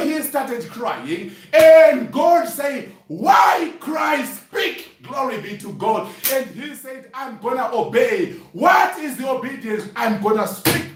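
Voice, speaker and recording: Shouting preacher with a high, lively voice. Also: male voice. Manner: shouting, punctuated with "hallelujah" and "glory be to God". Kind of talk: fiery shouted sermon. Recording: echoey, from far off the mic.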